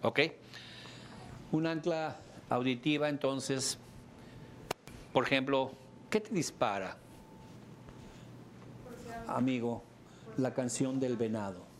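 Mexican guy teaching a class, middle aged, jokey, gets loud and high when he acts stuff out, faint hiss behind. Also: slow pace, long pauses. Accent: Mexican Spanish. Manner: joking, animated, bursts into high exclamations. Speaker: instructor. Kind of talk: classroom lecture.

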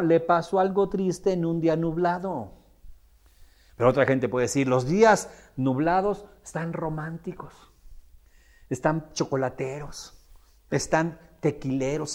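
An animated man gives a lecture, at a middle pitch. He shifts into voices to act out scenes and asks his listeners questions directly. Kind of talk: lecture to an audience.

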